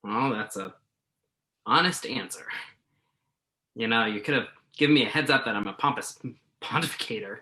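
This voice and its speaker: A man's voice: mid-range voice, normal speed, pauses often, pushed and bright, close to an everyday voice. A man acting the part of an earnest, wordy, self-doubting journalist in a staged play reading. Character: remorseful male entertainment journalist, self-doubting, argumentative, earnest.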